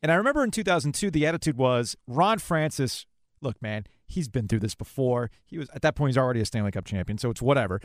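A man with a mid-range voice hosts a sports podcast in a dry, close recording. He talks conversationally, like a fan swapping stories, with casual slang and animated asides. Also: mid-range voice, fast talker, no room sound.

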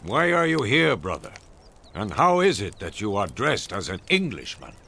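An actor playing a proud older Native American chief in a radio drama, speaking in a solemn, deliberate and formal way. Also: male voice, on the low side, wildly swooping pitch, gravelly, pushed and bright, heavily acted. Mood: stern, commanding. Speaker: narrator and chief. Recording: radio play with music underneath.

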